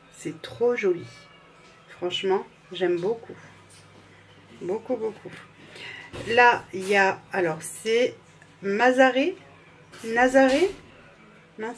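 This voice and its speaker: A woman vlogger in casual, gushing chat, fumbling and apologizing as she reads out names. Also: medium pitch. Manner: fumbles and restarts while reading labels.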